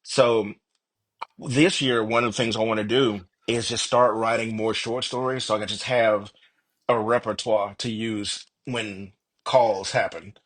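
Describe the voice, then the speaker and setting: A man's voice: on the low side, steady tone, measured pace, fairly bright tone. A man speaking as an author guest on a podcast, talking casually in an upbeat, self-deprecating way. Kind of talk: casual conversational interview.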